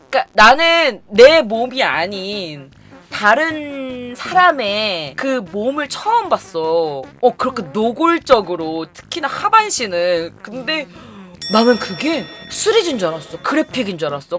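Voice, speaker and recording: A woman vlogger telling a story in casual chat, animated and laughing often as she acts out what people said. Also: fairly high pitch. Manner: animated, laughing often, acting out quoted lines.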